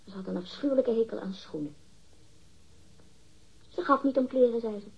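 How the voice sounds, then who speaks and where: A woman's voice: a little high, normal speed, vocal fry, slightly rough. An actress in a radio drama playing a catty, defensive woman witness, disdainful and emphatic as she gossips. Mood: gossipy. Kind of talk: acted radio drama dialogue. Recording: dull, muffled lo-fi radio recording.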